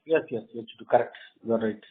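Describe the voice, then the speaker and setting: A man with an Indian accent answering questions as a company executive in brief, halting, agreeable replies. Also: mid-range voice, husky. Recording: noisy tinny phone line with clicks.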